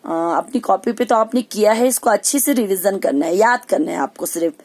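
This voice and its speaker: A woman teacher explaining a children's poem and its exercises, often repeating phrases and pausing to restate them simply. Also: medium pitch, lively intonation, a little mellow. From Ladakh, India. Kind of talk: online class lesson.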